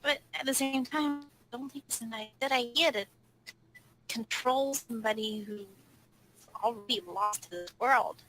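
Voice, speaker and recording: A woman's voice: fairly high pitch, a little slow, fairly bright tone, soft background music, low-quality recording. A woman playing a tabletop roleplaying game, talking casually in character.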